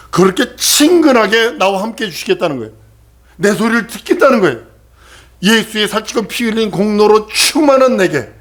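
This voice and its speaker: A man's voice: high voice, a bit bright. Man preaching an emphatic sermon. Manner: emphatic, repetitive, asks the congregation questions. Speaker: pastor.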